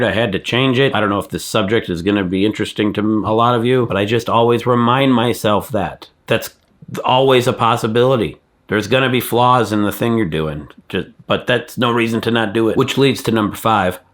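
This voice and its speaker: A man's voice: fairly low pitch, fairly quick. Man getting over a cold, frank vlog. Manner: self-deprecating, frank, joking asides. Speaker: YouTuber. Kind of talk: casual motivational vlog.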